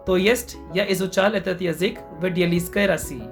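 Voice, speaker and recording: A man's voice: sits high, steady tone, normal speed, soft background music. A man from India with an Indian accent, a guest answering interview questions carefully in a language he has learned. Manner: careful, thoughtful, a little formal. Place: online call.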